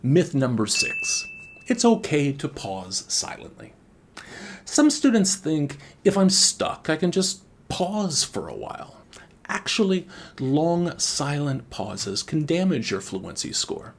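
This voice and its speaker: Slow husky-voiced guy teaching an english test lesson, pitch moves around a lot. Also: huge pitch swings. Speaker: IELTS teacher and former examiner. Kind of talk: scripted teaching video.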